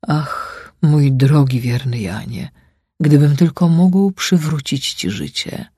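A man voicing a rash but loving young king, earnest and pleading, with a husky voice. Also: fairly high pitch, slow pace, a little mellow, no echo, studio quality. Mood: anguished.

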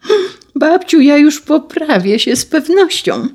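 A woman's voice: high-pitched, very animated, a little slow, a little mellow, pitched above the performer's own voice. A woman voicing an eager little girl, the youngest of three siblings, in a read-aloud storybook.

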